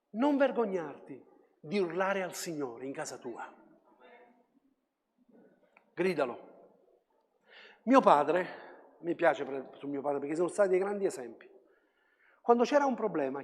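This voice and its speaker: A male pastor delivering a fervent sermon, dropping to a hush and then rising to shouts. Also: high-pitched. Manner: fervent preaching that swings between hushed and shouted. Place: church hall. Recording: long hall reverb.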